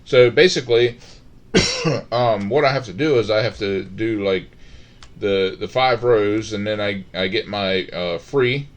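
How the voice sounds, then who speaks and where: Middle-aged male let's-play host, lowish voice, halting and rambling with lots of ums and restarts, casual gameplay commentary.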